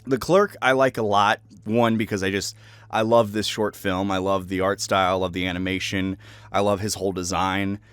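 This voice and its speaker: A man's voice: low voice, fairly even intonation, normal speed, a bit bright, clear, resonant tone, no echo. A man talking casually to viewers as a voice actor, presenting favorite characters.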